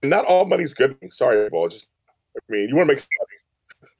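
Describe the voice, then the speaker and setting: A professional organizer in his fifties, appearing as a podcast guest, tells stories in a casual, emphatic way, repeating phrases and acting out quoted dialogue. His medium-pitched voice swings widely in pitch and moves briskly, with a darkish, breathy tone on a dry recording.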